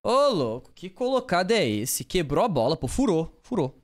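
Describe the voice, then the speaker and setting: A Brazilian man streaming a football game, commentating live with a fairly high voice that leaps all over the place. He bursts out at his players in casual slang. Faint background noise sits under the recording. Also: moderate pace. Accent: Brazilian Portuguese. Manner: excitable, shouts at players, slangy banter. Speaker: gaming streamer.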